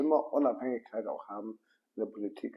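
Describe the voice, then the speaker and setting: A man talks very fast. His voice stays at a medium pitch. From Bremen, northern Germany. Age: 50s. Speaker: politician and farmer. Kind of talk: interview conversation. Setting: in-person meeting.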